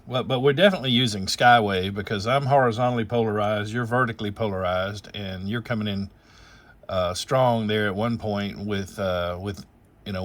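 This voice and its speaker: A man hosting as an amateur radio operator, casually talking through technical details in a rambling, explanatory way, thinking aloud as he goes. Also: on the low side.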